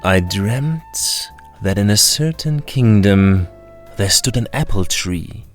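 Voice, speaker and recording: A man voicing the devil's shrewd old grandmother in a storybook reading, speaking in a hushed, coaxing way. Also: on the low side, expressive, slow, faint music behind.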